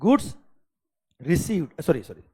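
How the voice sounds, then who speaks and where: An Indian man with a fairly high, mellow voice and big pitch swings gives an exam-prep lecture, mixing English and Hindi. He calls his students "beta," keeps asking whether they're clear, and reads the English questions out slowly.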